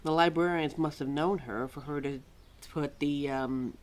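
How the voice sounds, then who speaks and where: A woman's voice: deep voice, steady tone, unhurried. A woman playing a scatterbrained, centuries-old keeper of forgotten lore in a roleplay audio drama, flustered and hesitant as she talks to a listener. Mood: overwhelmed, wistful.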